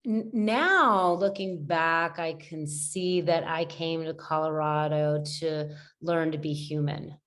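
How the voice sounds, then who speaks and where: Reflective middle-aged woman, lowish voice. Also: takes it slowly, hardly any pauses, fairly bright tone. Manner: reflective, rambling with many fillers and restarts. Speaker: guest. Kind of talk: casual conversational interview.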